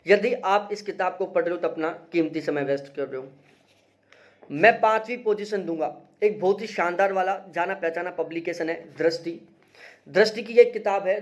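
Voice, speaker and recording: High-voiced man giving emphatic advice. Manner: emphatic, repeats advice, frequent "theek hai" check-ins. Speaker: exam prep teacher. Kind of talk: casual explanatory review.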